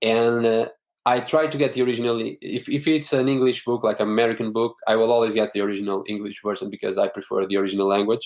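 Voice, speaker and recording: A man with a Portuguese accent at a very fast pace, medium pitch and fairly even intonation. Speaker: comic book artist and writer. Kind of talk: casual interview chat.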